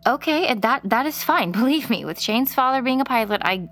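A woman's voice: fairly high pitch, expressive, a little fast, fairly bright tone. An actress in her thirties playing a worried mother in an audio drama, firm but kind. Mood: firm, caring. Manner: firm, caring.

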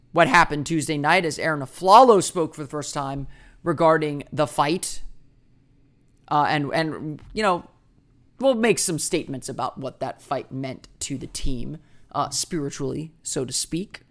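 A man's voice: expressive, a little slow, fairly bright tone. A man hosting a daily sports podcast, talking in a chatty, rambling way with asides. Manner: puts on a booming radio voice for the intro.

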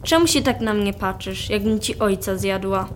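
A young female performer playing a brash, sharp-tongued girl with a Silesian accent in a radio play. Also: medium pitch, normal speed, slight background noise, lightly acted. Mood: teasing. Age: child or teenager. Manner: feisty, blunt, scolding.

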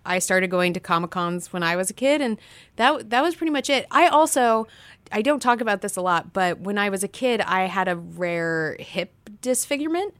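A woman's voice: mid-range voice, a bit bright, smooth, no echo. A woman co-hosting a podcast in casual chat, with a playful manner. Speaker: podcast co-host.

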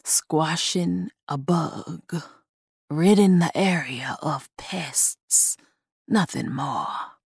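A woman voicing a sinister living wooden doll with a gravelly voice, slow and hushed. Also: deep voice, no echo, clean studio sound, full character voice. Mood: menacing.

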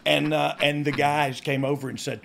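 A man's voice: fairly high pitch, little pitch movement, normal speed, vocal fry, noisy background. A middle-aged man, a podcast guest, casually telling stories and laughing through them. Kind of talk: casual storytelling.

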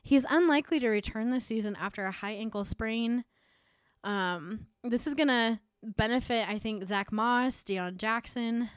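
A woman's voice: on the high side, measured pace, smooth, no room sound, clean studio sound. A woman co-hosting a sports podcast in a casual, conversational style. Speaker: podcast co-host. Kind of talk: casual fantasy football podcast chat.

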